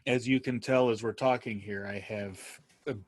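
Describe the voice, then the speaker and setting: Halting, conversational man with dry studio sound. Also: lowish voice, steady tone, no room sound. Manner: halting, circles a topic before landing on it. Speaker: podcast guest, writer and podcaster. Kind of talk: casual conversational interview.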